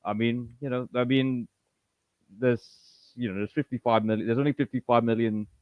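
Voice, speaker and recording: A man's voice: medium pitch, fairly even intonation, normal speed, dry recording, phone-quality sound. A man from Malaysia hosting a casual interview on a video call, talking in rambling bursts full of you-knows and restarts. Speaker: podcast host.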